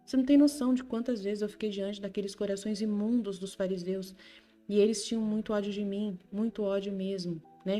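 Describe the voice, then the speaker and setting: A woman speaking as Jesus, a gentle male divine figure, in a tender, reassuring way with her own voice. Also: mid-range voice, lightly acted. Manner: tender, reassuring, addresses listener by name.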